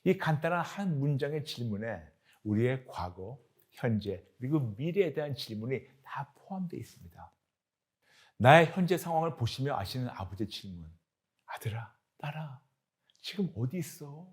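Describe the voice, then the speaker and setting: A male pastor preaches in an earnest, steady manner, reading scripture aloud. His voice sits at an ordinary middle pitch. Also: normal speed. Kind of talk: sermon.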